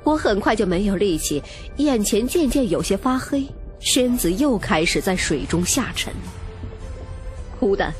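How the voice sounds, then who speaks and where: A woman reading a romance novel as dramatic, scripted first-person narration. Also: on the high side. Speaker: audiobook narrator. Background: music.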